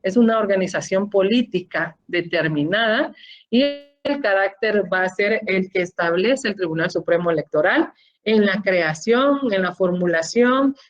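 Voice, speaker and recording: Guatemalan lady teaching a law class, keeps tagging questions, mid pitch, kinda muffled audio. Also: normal speed. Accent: Guatemalan Spanish. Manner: explanatory, frequent tag questions and fillers. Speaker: university law lecturer. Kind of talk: online class lecture. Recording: dull lo-fi audio.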